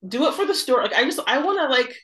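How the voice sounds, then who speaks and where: A woman's voice: high-pitched, very animated, very fast, fairly bright tone. Young American woman, casual and reflective. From United States. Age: 20s. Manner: reflective, frequent "like" as filler. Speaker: podcast guest. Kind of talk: casual conversational interview.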